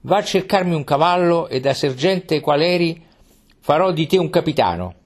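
A man's voice: on the high side, expressive, moderate pace, voice pushed up. Male reader doing a deposed king: proud, insistent, raised emphatic delivery. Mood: urgent appeal. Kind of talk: audiobook reading.

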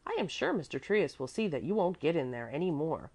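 A woman's voice: deep voice, big pitch swings, brisk, a little mellow, slightly rough, heavily acted. Woman acting a fretful, swooping-voiced minder. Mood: alarmed. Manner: fussing, flustered scolding. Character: anxious, fretful woman minding a little girl. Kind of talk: children's storybook character voice.

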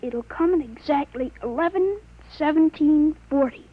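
A woman's voice: high-pitched, moderate pace, close to an everyday voice. A woman acting a precocious thirteen-year-old boy in a 1950s radio drama, articulate and matter-of-fact, with precise adult wording. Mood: calm, certain. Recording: dull, lo-fi old radio broadcast.

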